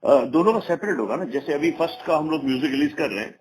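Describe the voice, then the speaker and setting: A man's voice: fairly high pitch, animated, very fast. A man with an Indian accent answering investor questions as a company executive on a conference call, often repeating words for emphasis. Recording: noisy conference phone call.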